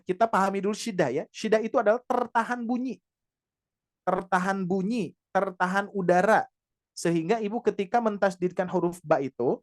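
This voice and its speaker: A man teaching Quran pronunciation to a class of women, patiently modeling each sound slowly and repeating it. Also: high-pitched, a little mellow. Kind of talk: tajweed lesson to women.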